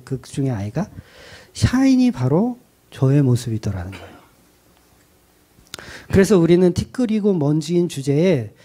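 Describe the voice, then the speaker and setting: A male pastor giving a sermon, retelling a film in an animated, conversational way. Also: fairly high pitch.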